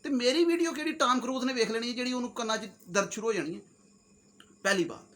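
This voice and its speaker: A Pakistani YouTuber with a Punjabi accent delivers a casual comic-motivational monologue, joking around and mixing Urdu, Punjabi and English. His voice is extremely high-pitched, fast and a bit bright.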